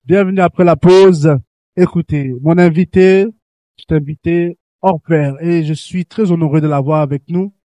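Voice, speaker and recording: Hosting a Christian youth talk show, a Canadian-raised man urges young listeners on earnestly, often restarting his sentences. His slightly high, warm voice has fairly even intonation and a moderate pace, heard through lo-fi sound.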